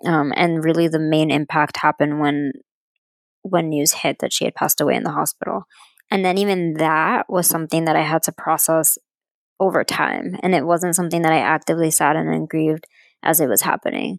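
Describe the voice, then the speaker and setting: Very even in loudness and fairly even in intonation, the speech runs at a fairly quick pace in a very clean recording with a silent background and a dry, close sound with no echo. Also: woman, very deep, low pitch for a woman. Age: 20s. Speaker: grief project founder and writer. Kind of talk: interview. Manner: casual, filler-heavy.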